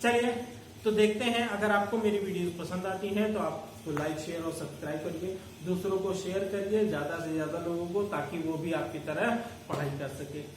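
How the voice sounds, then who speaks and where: A man's voice: high voice, steady tone, fairly quick. A man teaching an accounting lecture, explaining step by step and calling his students "beta". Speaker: commerce teacher. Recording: very echoey room, distant mic, faint noise.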